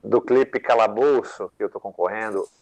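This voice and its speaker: A man's voice: fairly low pitch, moderate pace, darkish tone, dry recording, rough recording. A man, a songwriter, talking loosely about his work as a guest on a live panel, with lots of fillers. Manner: rambling, many fillers, conversational. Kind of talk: casual interview talk.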